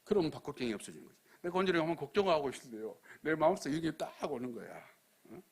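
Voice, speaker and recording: A man with a Jeolla accent preaching a sermon as a missionary, telling stories with sudden loud emphasis and near-whispers. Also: on the high side, lively intonation, very fast, gravelly, husky. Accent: Jeolla dialect.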